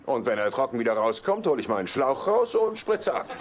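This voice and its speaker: A man playing an earnest, oblivious suburban husband in a dubbed sitcom. He chats guilelessly at a medium pitch with animated swings, over heavy background noise. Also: fairly quick, close to an everyday voice. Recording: very noisy TV soundtrack with ambience.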